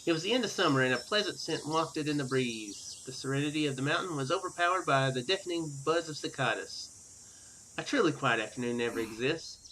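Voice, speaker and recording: Higher-pitched man doing casual game commentary. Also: expressive, brisk, bright, forceful tone, slight background noise, low-quality recording. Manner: hesitant, rambling, self-correcting. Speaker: host of a Let's Play gaming series. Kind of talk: casual game commentary, reading on-screen story text aloud.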